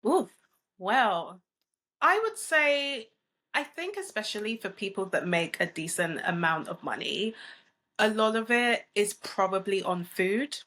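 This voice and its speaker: A woman from London with a London accent, a money coach answering interview questions in a measured, explanatory way. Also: mid-range voice, big pitch swings, a bit bright. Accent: London English. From England.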